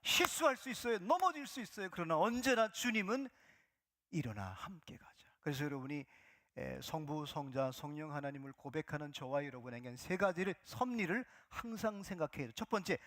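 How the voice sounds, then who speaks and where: A male pastor gives a Sunday sermon in a church sanctuary. His voice sits high and rings bright as he preaches emphatically. He falls to hushed whispers when quoting. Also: lively intonation, fairly quick, hardly any pauses.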